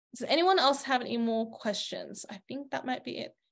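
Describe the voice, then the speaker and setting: A woman's voice against a quiet background. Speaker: fitness business coach. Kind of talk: webinar Q&A. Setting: online webinar. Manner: fast; casual, filler-heavy.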